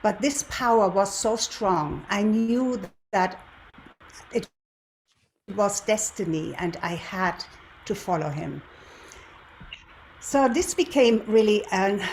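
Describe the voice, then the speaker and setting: Female host, 70s, native German with German accent, medium pitch, addresses viewers directly and deliberately, slightly noisy recording. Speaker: show host, lifestyle and relationship coach. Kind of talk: presenter's introduction and personal storytelling to viewers.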